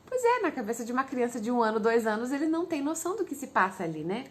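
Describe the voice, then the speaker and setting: A Brazilian Portuguese-accented woman gives parents advice in a relaxed, instructive way. Her voice sits a little high. She explains each point patiently and speaks straight to the listener. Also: fast, a little hiss or hum. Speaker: parenting educator. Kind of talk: casual instructive talk to parents.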